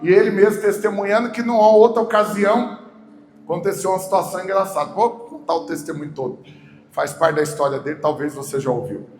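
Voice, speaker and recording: A Brazilian man with a Goiás accent, preaching a sermon as a pastor and telling a story with acted-out dialogue that swings from hushed to loud. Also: high voice. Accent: Goiás Brazilian Portuguese. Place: large church hall. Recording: echoey church hall, faint background noise.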